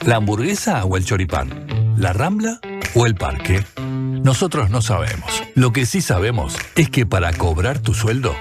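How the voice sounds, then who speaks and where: A man's voice: fairly low pitch, wildly swooping pitch, normal speed. A man reading an upbeat scripted radio ad. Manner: upbeat, selling. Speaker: ad announcer. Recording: ad with loud music behind.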